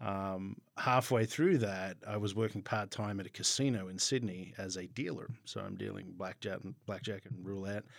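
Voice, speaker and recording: A man with an Australian accent and a fairly low pitch talks at a moderate pace with fairly even intonation and hardly any pauses. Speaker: video production business owner. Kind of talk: casual interview chat.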